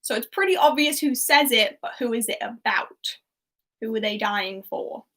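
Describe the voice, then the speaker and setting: Woman quiz host, high and bright, chatty and laughing, murmurs the quotes she reads. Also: moderate pace. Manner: chatty, giggly, reads out quotes and scores to viewers. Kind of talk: livestream pub quiz hosting.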